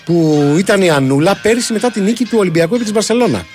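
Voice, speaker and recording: Male radio co-host, animated pitch, playful teasing, faint music bed. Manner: playful, teasing, quick wordplay. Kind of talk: casual comedic radio banter.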